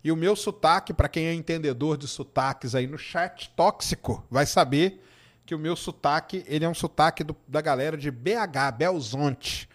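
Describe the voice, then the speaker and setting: This middle-aged Brazilian man with a Minas Gerais Portuguese accent speaks at a normal speed in a fairly high pitch. He hosts a science live stream, chatting informally with viewers and answering their chat questions with the tag "tá?".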